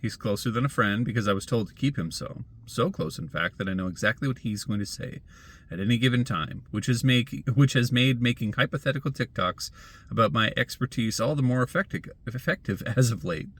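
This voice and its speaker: A man's voice: mid-range voice, a little fast, a bit bright. Male commentator, mid-range voice, sardonic and rhetorical delivery of a written opinion piece. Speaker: blogger and commentator. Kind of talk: scripted opinion essay read aloud.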